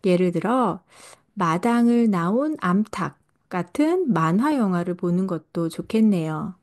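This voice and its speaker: Woman teacher reading her podcast script real slow, soft warm tone. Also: fairly low pitch, lively intonation. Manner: slow, careful delivery for learners. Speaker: Korean language teacher and podcast host. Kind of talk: scripted podcast narration for learners.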